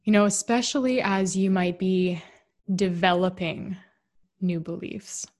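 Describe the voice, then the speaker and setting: A woman's voice: on the low side, measured pace, a little mellow. A woman giving a candid, rambling casual monologue about relationships, often restarting her sentences. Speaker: relationship and spirituality talker.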